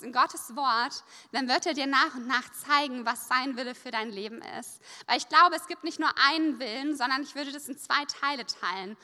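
A woman preaching a sermon in a lively, conversational way, pausing so an interpreter can follow. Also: sits high. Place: church service hall. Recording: long reverb of a church hall.

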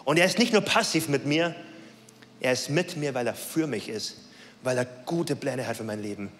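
A young man preaching a sermon with passion, switching between loud emphatic calls and soft low lines, in casual, youthful speech. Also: expressive, moderate pace, slight background noise. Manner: casual, youthful slang and laughs. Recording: long hall reverb.

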